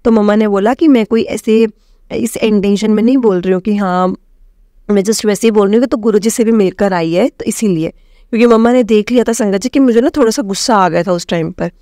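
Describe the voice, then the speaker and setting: A young woman from Himachal Pradesh telling her personal testimony to a congregation, addressing them warmly and mixing in English words. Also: medium pitch, fairly quick, dry recording, clean studio sound. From Himachal Pradesh, India. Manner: addresses listeners as "sangat ji", mixes in English words. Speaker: devotee sharing a testimony.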